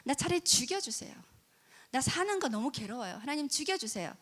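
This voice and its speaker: A woman's voice: high-pitched, very animated, brisk, a bit bright. A woman preacher voicing the sulking prophet Jonah as a grown man, whiny and pleading. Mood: despairing.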